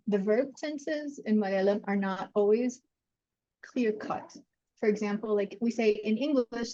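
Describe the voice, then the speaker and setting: An American woman guest in a casual podcast interview, explaining things in an animated way and laughing easily. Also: mid-range voice, dry recording. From USA. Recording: dull lo-fi dry sound.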